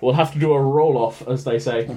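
A man's voice: mid-range voice, fairly even intonation, fairly quick, background noise. A man chatting casually during a tabletop game, jokey and sweary in his manner. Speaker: board game player.

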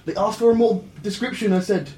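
A man improvising a boastful tall tale in character, rambling and halting as he goes. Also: sits high, steady tone, mellow. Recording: echoey room with faint noise.

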